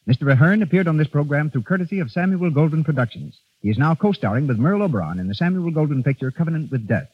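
Old-time radio announcer, male, rapid-fire credit reading, slightly high voice, muffled vintage broadcast quality. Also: expressive. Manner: brisk, crisp read credits. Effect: old radio show broadcast sound. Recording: dull lo-fi old radio recording.

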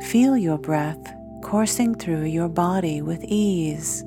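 Behind her, clear music rings with singing bowls as a woman with a slightly low voice leads a meditation. Her delivery is soothing and very unhurried, with brief, measured phrases and long silences between them.

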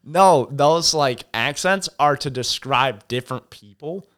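A young man chatting casually on a podcast, telling rambling stories in a relaxed way and laughing often. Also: fairly high pitch, unhurried, clear, resonant tone. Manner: rambling, laid-back storyteller, laughs a lot. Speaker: podcast co-host. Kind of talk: casual chat.

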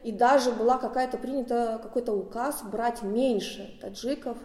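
A woman's voice: fairly high pitch, fairly even intonation, normal speed, darkish tone. A woman chatting as an interviewer in a casual conversation, asking questions and adding her own remarks. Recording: echoey hall with long reverb.

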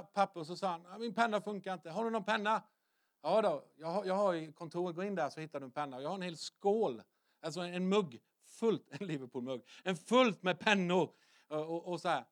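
A middle-aged man preaches in a loose, chatty way, repeating and restarting his phrases. His voice sits a little high for a man, and he sinks it to a quiet near-whisper when he wants a point to land. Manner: conversational, repetitive restarts, drops to soft near-whisper for emphasis. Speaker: pastor. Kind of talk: sermon.

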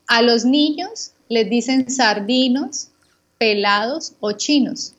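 A Colombian woman, a guest teacher, calmly contrasting words and giving examples for Spanish learners. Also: on the high side, takes it slowly, lo-fi sound. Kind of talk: slow didactic conversation for learners.

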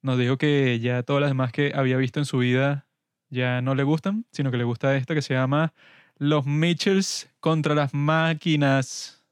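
A man's voice: mid-range voice, steady tone, moderate pace, clean tone, no echo, studio quality. A man hosting a casual film review podcast, talking in a wry, mock-serious way. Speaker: podcast host.

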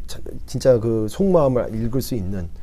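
A middle-aged man from the United States, answering as a professor in an interview in a modest, halting way, often searching for words. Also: medium pitch, big pitch swings, mellow. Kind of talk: unscripted interview conversation.

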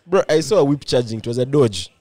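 A man's voice: medium pitch, lively intonation, quick pace, a little mellow, dry recording. A man, chatting casually as a podcast co-host in brief, slangy interjections. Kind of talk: casual chat.

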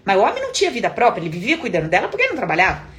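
A Brazilian woman therapist speaks on a live stream with a Brazilian Portuguese accent, answering viewers in a lively way, acting out little dialogues and asking rhetorical questions often. Her voice is mid-range and racing, with a little hiss or hum in the audio.

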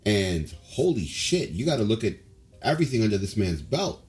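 Man, low voice, casual chat, rambling, opinionated, filler-heavy. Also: sing-song, moderate pace, a little mellow, faint music behind. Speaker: podcast co-host.

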